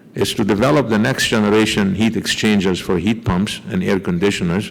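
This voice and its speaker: A man speaks with a fairly low pitch. His pitch moves in an ordinary way, and the room echo is audible. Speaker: engineering professor. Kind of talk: conference lecture. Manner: fast; hesitant fillers.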